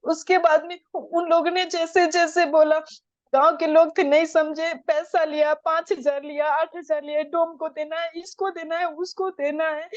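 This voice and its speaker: A woman's voice: extremely high pitch, flat delivery, moderate pace, no room sound, highs cut off. A young woman from Bihar giving an urgent, distressed account in an interview, often addressing the interviewer as sir. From Bihar, India. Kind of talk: emotional testimony in an interview.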